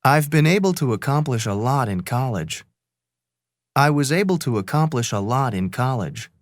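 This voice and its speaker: A man briskly reading out grammar example sentences. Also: mid-range voice, animated, no echo, studio quality, close to an everyday voice.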